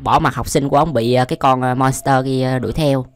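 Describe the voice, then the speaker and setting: A man's voice: medium pitch, steady tone, brisk. A young man giving casual, exclamation-filled reaction commentary as a YouTube host, often amused by what he watches. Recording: music behind the voice. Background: music.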